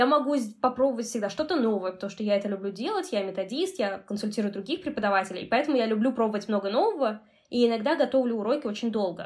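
A woman rattles along at a very fast pace, her fairly high voice full of lively intonation. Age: 20s. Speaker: English teacher and new mother. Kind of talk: casual interview.

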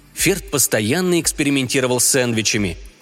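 Over music in the background, a man at medium pitch speaks in an animated tone with very wide pitch swings. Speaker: audiobook narrator. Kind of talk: literary audiobook reading, scripted narration of a short story.

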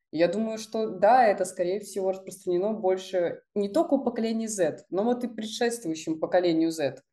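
A woman talks at a moderate pace with hardly any pauses. Her voice is medium in pitch with a dark, mellow tone and ordinary pitch variation. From Moscow region, Russia. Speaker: blogger on mental health. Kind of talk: podcast interview.

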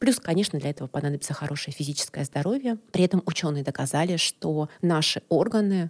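In a dry, close sound with no echo, a woman speaks in a warm tone with ordinary pitch variation. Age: 40s. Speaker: podcast co-host. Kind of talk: casual chat; heartfelt advice. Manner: warm and soft.

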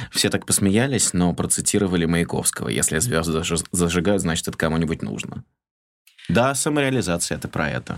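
A man with a very deep, low voice and vocal fry talks at a fairly quick pace with very wide pitch swings. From Russia, Samara. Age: 30s. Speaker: magazine editor, journalist. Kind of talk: interview conversation.

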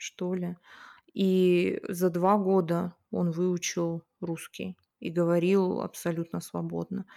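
A woman's medium-pitched, dark, mellow voice at a very slow pace with fairly even intonation, in a very clean recording with a silent background and a dry, close sound with no echo. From Siberia, Russia (Omsk). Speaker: Russian language teacher. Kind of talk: casual interview.

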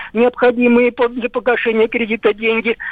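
A man speaks at a high pitch. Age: 60s. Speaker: caller. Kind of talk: call-in complaint.

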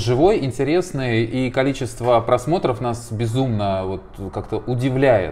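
He has a plain, everyday voice at medium pitch with ordinary pitch variation. This man keeps a moderate pace. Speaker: podcast host. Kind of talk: casual chat.

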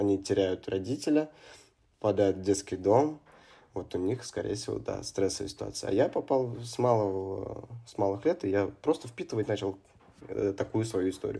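A man with a fairly low pitch and a dark, mellow, somewhat breathy tone talks at a moderate pace with lively intonation. He leaves long, frequent pauses, and the recording is very clean with a silent background. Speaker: dance studio owner, grew up in an orphanage. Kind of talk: interview. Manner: casual, rambling.

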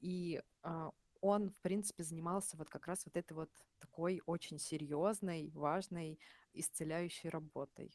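A woman speaks in a monotone, flat way at a fairly slow pace. The sound is dry and close, with no echo. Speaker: podcast host. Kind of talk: interview conversation.

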